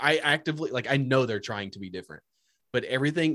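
Lively intonation marks this man's medium-pitched voice, heard in a very clean recording against a silent background. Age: 30s. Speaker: podcaster. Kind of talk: casual chat. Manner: animated.

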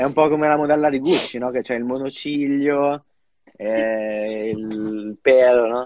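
Fairly even in intonation, a man talks with a plain, everyday voice at a medium pitch. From Milan, northern Italy. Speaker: podcast co-host. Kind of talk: casual chat.

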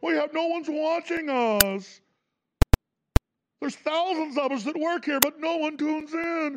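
A put-on character voice, high and whiny, at a moderate pace. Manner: mocking, exaggerated, whiny.

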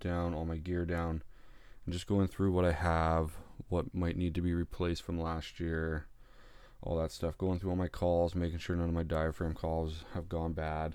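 A man with a Canadian accent speaks at a very deep, low pitch. His tone is dark and mellow, and his intonation is monotone and flat. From Ontario, Canada. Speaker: hunting podcast host. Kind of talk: solo podcast monologue. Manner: casual, many filler words.

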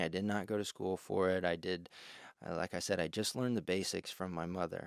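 A man with a Midwestern American accent, dry and close with no echo. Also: very clean recording, silent background. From rural Missouri, US Midwest. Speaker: fashion designer. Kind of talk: casual interview.

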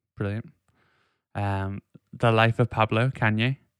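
A man's medium-pitched, monotone, flat voice, dry and close with no echo, in a very clean recording with a silent background. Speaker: music podcast host. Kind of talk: casual chat.

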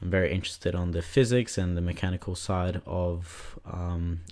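This man has a very deep, low voice. His intonation stays monotone and flat. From Brazil. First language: Portuguese. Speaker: podcast host, engineering student. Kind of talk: casual solo podcast monologue. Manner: hesitant, many fillers.

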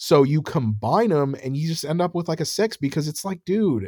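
With an unremarkable speaking voice, a man talks at a moderate pace and fairly high pitch, lively in intonation, the sound dry and close with no echo. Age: 30s. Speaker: aviation enthusiast guest. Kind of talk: casual chat.

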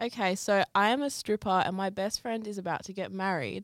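In a very clean recording with a silent background and a dry, close sound with no echo, a woman with an Australian accent talks at medium pitch and a moderate pace, her pitch varying in an ordinary way. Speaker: podcast co-host. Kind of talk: casual chat.

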